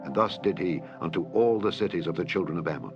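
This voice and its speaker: A man reading Bible scripture in a measured, solemn way. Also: deep voice, dull audio. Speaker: scripture reader. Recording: loud music bed under voice.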